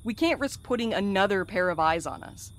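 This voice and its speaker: A woman's voice: medium pitch, expressive, fairly quick, slight background noise, lightly acted. A woman acting in a fiction podcast as a sardonic, blunt courier with a dry, slangy, wisecracking way of talking. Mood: teasing. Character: sardonic, blunt, irreverent courier and loyal friend.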